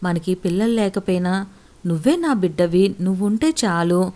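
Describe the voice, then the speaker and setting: A woman's voice: lowish voice, expressive, normal speed, mellow, natural voice. A woman voicing a devoted young husband who firmly defends his wife in a storybook tale. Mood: earnest, firm. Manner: earnest, firm.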